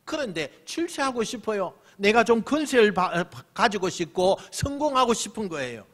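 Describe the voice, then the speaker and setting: A man's voice: high voice, very animated, moderate pace, a bit bright. A male senior pastor preaching a sermon emphatically, repeating phrases and putting questions to the congregation.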